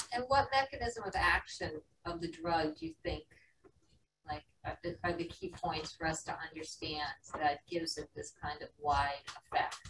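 Lively intonation from a woman with an ordinary speaking voice, fairly low in pitch, at a moderate pace. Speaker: clinic practitioner. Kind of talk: group discussion.

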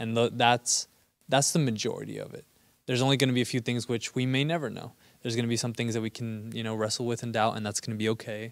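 Against a quiet background, a man speaks very fast. His intonation is monotone and flat. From Mexico City and Colorado; Mexico. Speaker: Bible college student; podcast guest. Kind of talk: casual chat. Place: stage. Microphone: handheld.

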